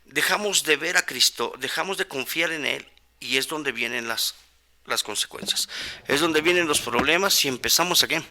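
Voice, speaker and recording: Bright-voiced man preaching conversationally. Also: fairly high pitch, moderate pace. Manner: conversational preaching, filler "¿verdad?", swings between soft and emphatic. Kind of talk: sermon.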